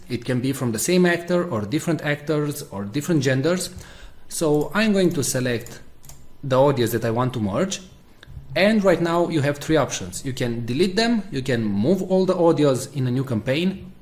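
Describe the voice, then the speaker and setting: A man narrating a step-by-step software tutorial as its presenter. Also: mid-range voice.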